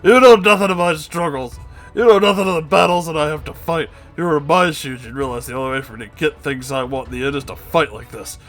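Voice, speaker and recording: A man's voice: on the high side, fast, a bit bright, soft background music, voice pushed up, lightly acted. A man voicing an angry, self-pitying neckbeard with a defiant, aggrieved, melodramatic delivery for a comic story. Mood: aggrieved ranting.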